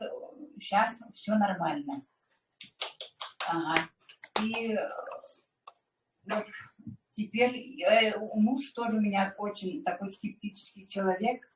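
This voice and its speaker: A woman in her sixties giving a chatty personal testimonial at a meeting, dropping frequent filler words. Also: medium pitch. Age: 60s. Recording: echoey room, distant mic.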